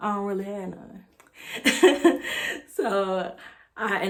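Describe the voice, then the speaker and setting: A woman is speaking. The background is quiet. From Arkansas, USA. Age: 20s. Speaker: beauty tutorial creator. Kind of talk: casual beauty tutorial to camera. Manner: casual, chatty. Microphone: phone near.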